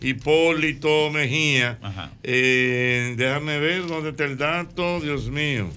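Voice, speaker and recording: A man speaks at a very slow pace. His voice is fairly high with a bright, sharp tone. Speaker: radio host. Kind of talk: casual chat. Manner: animated.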